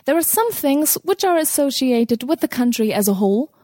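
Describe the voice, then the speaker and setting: Lively woman presenting a culture segment. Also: high voice, moderate pace, dry recording, clean studio sound. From Germany. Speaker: cultural correspondent. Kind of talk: scripted podcast segment.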